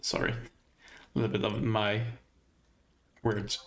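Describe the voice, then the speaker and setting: A man's voice: lowish voice, huge pitch swings, a little slow, vocal fry. A man with a Swedish accent giving gameplay commentary, thinking aloud as he finds his way through a game. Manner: thinking aloud while navigating, hesitant. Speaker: let's play host.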